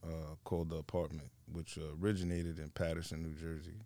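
With a New York accent, a man talks in a very deep, low pitch and a dark, mellow tone, recorded very cleanly against a silent background. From Long Island, New York. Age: 30s. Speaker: chef. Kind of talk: casual chat.

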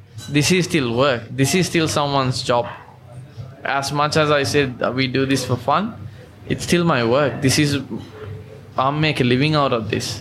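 Against noticeable background noise, a man with a fairly high pitch talks at a moderate pace, keeping very even loudness and ordinary pitch variation while pausing long and often. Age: 30s. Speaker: chef and restaurant owner. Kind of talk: interview. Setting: restaurant with background noise.

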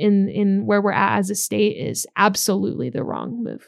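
A woman speaks at a medium pitch. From Brazil. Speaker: middle school geography teacher. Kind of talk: casual interview.

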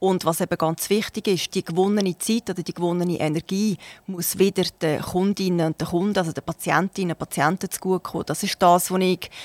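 In a very clean recording with a silent background and a dry, close sound with no echo, a woman speaks at a medium pitch in a monotone, flat intonation. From Switzerland, canton Solothurn (Hägendorf). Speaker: cantonal parliament president, politician. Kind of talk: radio interview. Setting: radio studio.

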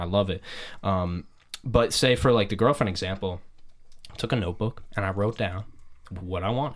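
With an American accent and an unremarkable speaking voice, a man talks at a fairly quick pace, his fairly low pitch showing ordinary variation. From New Jersey. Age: 20s. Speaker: podcast host and rapper. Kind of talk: casual interview chat.

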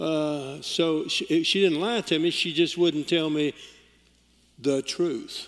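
Someone speaks at a very slow pace in a Southern US accent. The recording is very clean, with a silent background. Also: man. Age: 70s. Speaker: pastor. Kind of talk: sermon. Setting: church.

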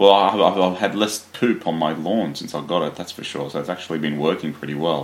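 Big swings in loudness mark a man's very deep, low voice, heard over noticeable background noise. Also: ordinary pitch variation, hardly any pauses. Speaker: father, podcast host. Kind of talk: casual chat with his daughter.

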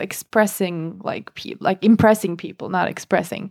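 A woman with a non-native accent on a very clean recording, silent in the background. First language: not English. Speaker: podcast co-host and musician. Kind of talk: casual interview.

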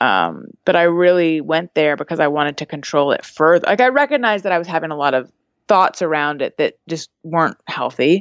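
A woman with an ordinary speaking voice, fairly low in pitch, fairly quick, with ordinary pitch variation. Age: 40s. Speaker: podcaster and author. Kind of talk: casual interview conversation.

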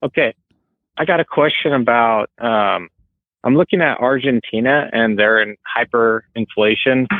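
With a normal speaking voice, a man talks at a moderate pace and medium pitch, with ordinary pitch variation and very even loudness. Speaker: military service member and caller. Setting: phone call.

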